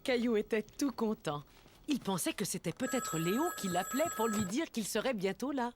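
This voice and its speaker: A woman playing a gentle storybook narrator, reading scripted narration for a children's cartoon. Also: fairly high pitch, animated, moderate pace, noisy background, close to an everyday voice.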